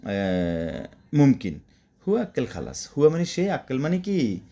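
Male language tutor, native Bengali speaker, drilling Arabic words with a warm, animated delivery. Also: mid-range voice, normal speed, lo-fi sound. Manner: repetitive, drilling words, chatty asides. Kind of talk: spoken Arabic lesson for Bangla speakers.

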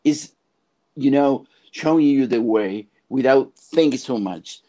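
Slow, mellow-voiced Argentine man. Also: mid-range voice. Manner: halting, searching for words, frequent restarts. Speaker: film composer guest. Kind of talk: casual video call interview. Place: home music studio. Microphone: earphone mic on video call.

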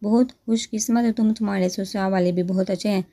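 A woman's voice: medium pitch, steady tone, warm tone, lightly acted. A woman voicing a playful, teasing young sister-in-law in a storybook reading.

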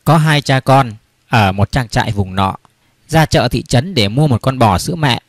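A man's voice: medium pitch, expressive, moderate pace. A man reading short comic stories aloud, raising his voice for the characters in them. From Vietnam. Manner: puts on raised voices for characters in the jokes. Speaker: joke teller.

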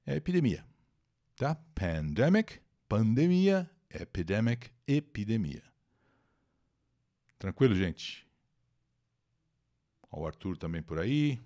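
A man's voice: lowish voice, sing-song, takes it slowly, long pauses, dark tone. A man teaching English to Brazilians on a live stream, with a Brazilian Portuguese accent, reading an article and translating it, repeating words and greeting the chat.

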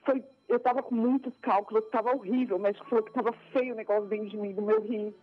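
A woman's voice: on the high side, steady tone, fast talker. A woman giving a fervent, emotional church testimony, telling her story over a phone line. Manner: tearful, fervent storytelling, rising to joyful exclamations. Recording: tinny phone line with faint music.

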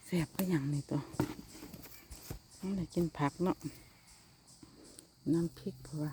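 A woman's voice: lowish voice, steady tone, a little slow, noisy background. A woman with an Isan accent, chatting casually to viewers while she gardens in her backyard and talks to her dogs. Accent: Isan (Northeastern Thai). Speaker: vlogger.

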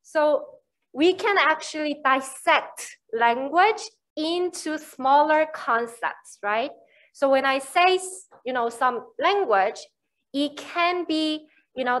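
Korean-accented woman teaching a uni class, slow and patient, lots of "you know, right?". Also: sits high, lively intonation, a bit bright. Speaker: lecturer. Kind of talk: university lecture.

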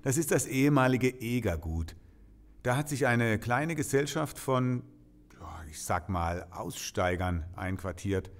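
An actor playing a breezy, gossipy police officer with a flippant, colloquial way of talking in an audio drama. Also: male voice, mid-range voice, lively intonation, unhurried, close to an everyday voice. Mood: casually explaining.

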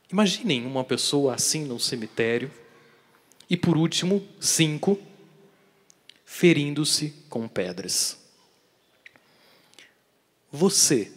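A man preaching a daily catechesis sermon as a priest, emphatic and putting rhetorical questions to his listeners, his voice swinging between loud and soft for emphasis. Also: mid-range voice. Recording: long reverb of a large hall.

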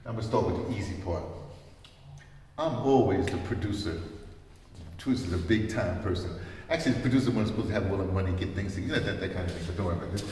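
A man's voice: low voice, fast, darkish tone. A middle-aged man giving an informal workshop talk, explaining things in a colloquial, rambling way. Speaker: workshop leader, producer. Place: large bare classroom, indoors. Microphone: camera a few metres away. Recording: very echoey bare room, distant phone mic, faint noise.

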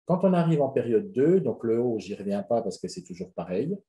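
A man's voice: medium pitch, sing-song, a little fast, dark tone. A man presenting a webinar on a reading method, explaining in a loose, hesitant way with many fillers and restarts.

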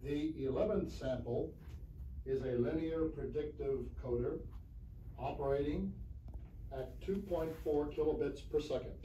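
Male technical narrator, measured and formal, slightly high pitch, old flexi-disc with faint hiss. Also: dark tone. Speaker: narrator of a demonstration recording. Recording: roomy, distant, faintly hissy 1970s flexi-disc recording.

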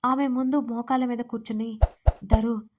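Woman reading out her own story, steady pace, voice on the high side. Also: normal speed, noisy background. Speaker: writer and narrator. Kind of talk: storybook narration.

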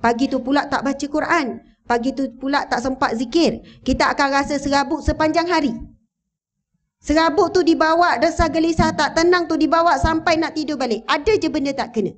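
Woman preacher, Malaysian Malay accent, high pitch, animated and engaging with the audience. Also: brisk. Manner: animated, addresses the audience with questions. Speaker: religious teacher. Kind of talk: religious talk to a mosque audience. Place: mosque hall, indoors. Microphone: handheld or lapel microphone, standing.

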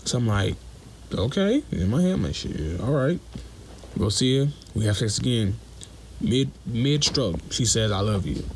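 A man's voice: fairly low pitch, normal speed, slight background noise. A young man telling a story in a voice message. He talks casually and bluntly, swears freely, and acts out the lines of the people in it. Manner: blunt and profane, acts out quoted dialogue. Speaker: listener sending a voice message.

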